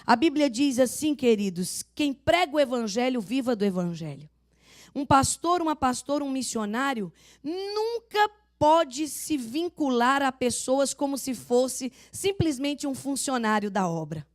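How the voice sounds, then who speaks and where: An older woman pastor from Northeast Brazil with a Northeastern accent, preaching and telling animated stories. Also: a little slow. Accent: Northeastern Brazilian Portuguese. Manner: animated storytelling, loud booming laugh; acts out voices of people in her stories. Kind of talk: sermon.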